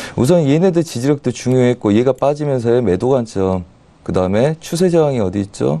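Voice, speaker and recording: With a dark, mellow tone, a man delivers his words at a fairly quick pace. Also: medium pitch for a man, lively intonation. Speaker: futures trading analyst. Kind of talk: market analysis on TV. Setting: TV studio. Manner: fast.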